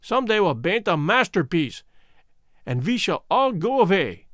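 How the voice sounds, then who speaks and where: A man's voice: high-pitched, sing-song, measured pace, a bit bright, no echo, studio quality, heavily acted. A man voicing a fierce little old German painter, blustering in broken English with a German accent, in an audiobook story. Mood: yelling, impatient.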